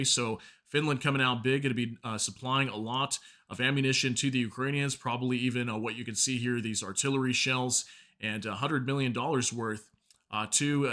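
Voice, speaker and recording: A man's voice: mid-range voice, pushed and bright. A man hosting a news video, reading out reports and adding informal commentary addressed straight to viewers.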